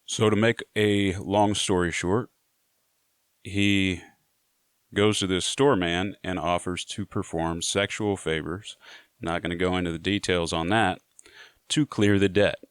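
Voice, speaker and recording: A man's voice: low-pitched, fairly even intonation, a little slow, smooth, no echo, clean studio sound. A man telling a prison story to his viewers in a casual, laid-back way, often saying "you know". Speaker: storyteller sharing prison stories.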